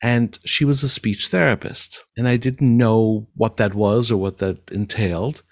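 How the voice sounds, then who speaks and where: A man's voice: on the low side, steady tone, a little slow, no room sound. Nasal older man, dry sound. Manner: reflective, enthusiastic storyteller. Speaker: musical director and speech therapist. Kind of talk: interview answers.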